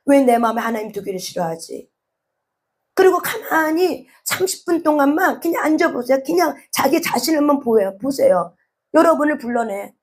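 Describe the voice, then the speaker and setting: A woman pastor preaching a sermon, asking the listeners questions and rising to shouts at times. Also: on the high side.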